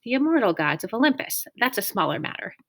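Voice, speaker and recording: A woman voicing a kindly, wise old male teacher who speaks gently and formally. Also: fairly high pitch, big pitch swings, quick pace, dry recording, voice pushed up, exaggerated voice. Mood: earnest.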